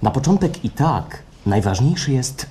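An actor playing a coaxing, insinuating psychologist in a radio play performed live, swinging from soft to excited. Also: male voice, medium pitch, a little slow. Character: smooth, probing male psychologist, theatrical and coaxing. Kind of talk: radio play acting before a live audience. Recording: live stage recording with background noise.

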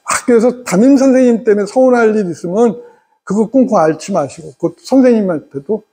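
A middle-aged man lecturing parents in an animated way and having the audience repeat phrases after him. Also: high-pitched, brisk, breathy edge.

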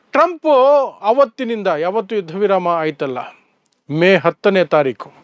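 A man's voice: sits high, no room sound, dull audio. A man with a Kannada accent giving a sarcastic, emphatic news commentary, explaining events point by point. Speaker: political commentator.

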